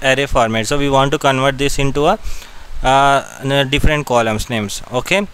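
A man with an Indian accent guides a learner through software one step at a time. His voice is smooth and clear, and he gives short, repeated instructions as he goes. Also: medium pitch, moderate pace. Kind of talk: step-by-step screen-recording tutorial narration.

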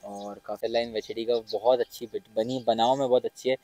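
A man's voice: mid-range voice, steady tone, brisk, warm tone, no echo. Dry-voiced young man touring a cattle farm. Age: young adult. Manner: enthusiastic, repeats blessings. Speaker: vlogger host. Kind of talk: casual farm tour and interview. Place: outdoor cattle farm yard.

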